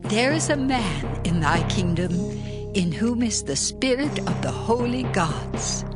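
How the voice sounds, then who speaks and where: An actress playing a stately, reassuring ancient queen in a dramatized scripture reading, with measured, formal delivery. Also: medium pitch, very animated. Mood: solemn, reassuring. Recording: loud music behind the voice.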